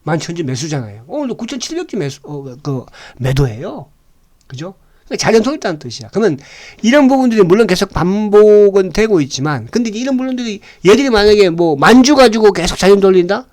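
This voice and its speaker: A man's voice: high-pitched, big pitch swings, fast talker, a little mellow. A man giving casual stock market commentary, bluntly, throwing rhetorical questions at his viewers and asking them to agree.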